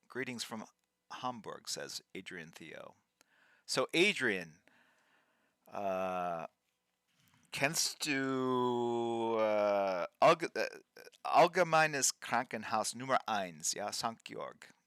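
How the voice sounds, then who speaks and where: A man in his fifties chats through a live drawing stream, thinking aloud and stopping often as he reads viewer names. His voice is fairly low with a bright, gravelly edge. The sound is dry and close. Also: dry recording. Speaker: livestream host. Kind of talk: casual livestream chat while drawing.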